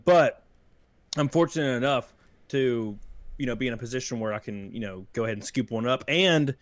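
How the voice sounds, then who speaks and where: A man's voice: medium pitch, a little fast, no echo. A young man with a Southern drawl talks loosely and jokes at his own expense. His voice sits in a middle range and sounds close and dry, with no room around it. He chats casually, as if on a video call. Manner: laid-back, self-mocking, laughs often. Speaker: YouTuber podcast guest. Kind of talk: casual podcast chat.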